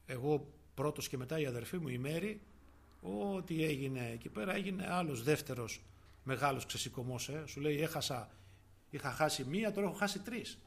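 A man preaching a sermon with fervent delivery that swells to loud, emphatic peaks. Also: on the high side, expressive, creaky, breathy edge.

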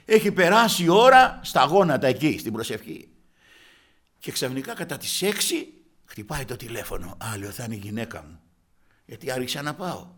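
A man's voice: mid-range voice, very animated, fairly bright tone. An older man preaching a sermon, vividly telling his own story and calling the congregation brothers. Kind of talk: sermon with personal testimony.

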